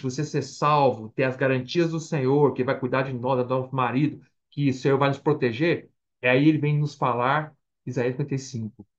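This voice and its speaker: A man's voice: medium pitch, muffled recording. A man preaching a Bible study sermon with a Brazilian Portuguese accent. He keeps asking his listeners questions and answering them himself. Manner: animated, asks the congregation questions and answers them. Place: church or online meeting.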